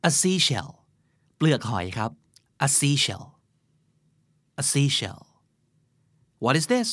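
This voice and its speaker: A man hosting a vocabulary lesson podcast, asking quiz questions in a chatty way and repeating each English word slowly and clearly. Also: medium pitch, big pitch swings, fairly bright tone, no echo. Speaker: host.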